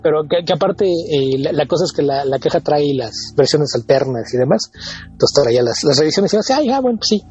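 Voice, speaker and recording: A man's voice: fairly high pitch, animated, fairly quick, a little mellow, slightly rough, lo-fi sound. A man with a Mexican Spanish accent, chatting casually as a podcast co-host and often repeating words as he restarts.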